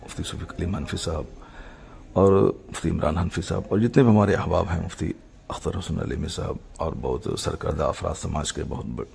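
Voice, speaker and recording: Middle-aged male cleric, low-pitched with heavy creak, solemn and halting formal address, faintly noisy amateur audio. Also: darkish tone. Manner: measured, halting phrasing with formal Urdu religious vocabulary.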